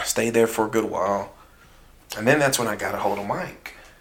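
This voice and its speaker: Over noticeable background noise, a man with an American accent speaks at medium pitch. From Texas. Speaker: podcast co-host. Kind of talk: casual chat.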